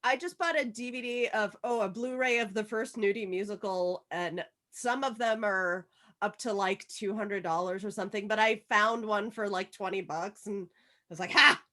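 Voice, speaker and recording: Excitable woman on a group video call, casual and slangy, swears a bunch. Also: medium pitch, moderate pace. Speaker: participant in a virtual table read group. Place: remote online video call.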